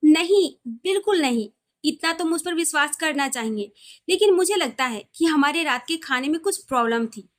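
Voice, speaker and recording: An earnest young husband as a woman narrator reads him in a romantic audio story. He is tender and teasing, with a stubborn streak. The pitch is clearly high. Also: animated, normal speed. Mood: earnest, reassuring.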